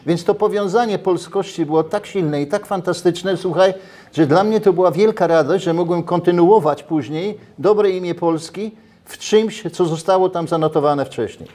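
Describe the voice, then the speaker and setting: Older man as interview guest, a touch high-pitched, animated and gesturing, lapel mic in a restaurant. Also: moderate pace. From Poland. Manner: animated, gestures while talking, frequent restarts. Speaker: interviewee, former footballer. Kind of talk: casual interview. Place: brick-walled restaurant, indoors.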